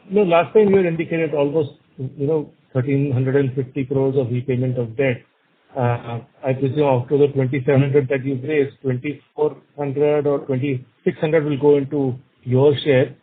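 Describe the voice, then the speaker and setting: A man's voice: medium pitch, steady tone, normal speed, husky. A man questioning company management as a financial analyst on a conference call. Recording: noisy phone line with clicks.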